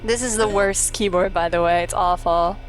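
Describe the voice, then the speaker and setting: A woman's voice: lowish voice, steady tone, moderate pace, rough recording. Sardonic woman gamer over game music. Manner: sardonic, profane. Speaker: Let's Play host. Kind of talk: casual game commentary.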